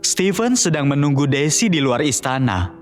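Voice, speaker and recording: A man's voice: a little high, big pitch swings, moderate pace, over music. A man narrating a scripted fairy tale for children as a storyteller.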